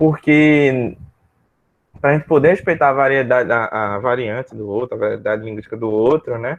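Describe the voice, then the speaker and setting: A man with a Recife accent, medium pitch and ordinary pitch variation. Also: moderate pace, quiet background. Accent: Recife, Northeast Brazilian, palatalized S. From Brazil, Recife (Pernambuco). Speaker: linguistics professor. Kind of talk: lecture.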